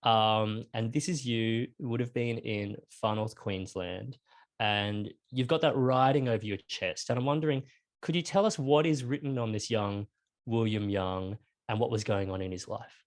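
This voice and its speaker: A man with an Australian accent interviewing a guest, friendly and engaged, asking lively follow-up questions. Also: on the low side, normal speed. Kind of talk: conversational interview.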